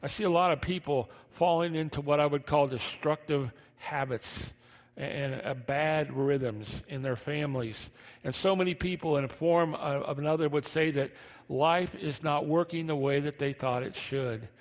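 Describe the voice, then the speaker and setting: A man preaching a conversational sermon as a pastor, halting and repeating phrases, his speech slightly slurred by missing teeth. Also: on the high side, fairly even intonation. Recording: long hall reverb.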